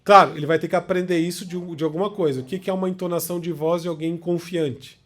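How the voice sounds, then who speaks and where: This man's voice is on the high side and a bit bright, with fairly even intonation and a fast delivery. Speaking with a Brazilian Portuguese accent, he gives an informal lecture, often checking in with quick tag questions.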